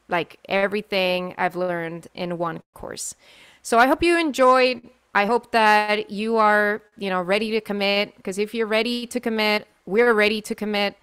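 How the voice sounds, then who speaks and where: Young female vocal coach, chatty webinar host, smooth voice, dry webcam sound. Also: medium pitch, a bit bright, no echo. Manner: chatty, many fillers and restarts. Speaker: singing teacher hosting a webinar. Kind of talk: live webinar talk. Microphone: webcam mic on video call.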